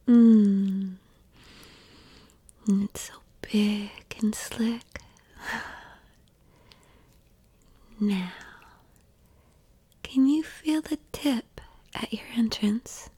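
Slow breathy whispering woman. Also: medium pitch, no room sound. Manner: soft, slow, coaxing and reassuring. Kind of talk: whispered ASMR roleplay.

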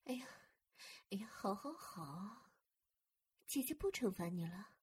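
Woman doing a super breathy husky big sis voice, slow and coaxing, whispers a lot, right up on the mic. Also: mid-range voice, sing-song, a little mellow, full character voice. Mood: soothing, tender. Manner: coaxing and soothing, often whispered. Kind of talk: intimate audio roleplay.

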